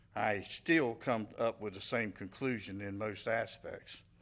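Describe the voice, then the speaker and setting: On a very clean recording with a silent background, a man with an ordinary speaking voice talks at a fairly slow pace and fairly even intonation. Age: 60s. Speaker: citizen public commenter. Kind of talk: public comment at meeting. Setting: county commission meeting.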